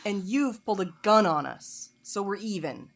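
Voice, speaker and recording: An actress playing a tough, sharp-tempered woman in an audio drama, with a dry, no-nonsense manner. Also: mid-range voice, lively intonation, normal speed. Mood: wry. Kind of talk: scripted audio drama acting.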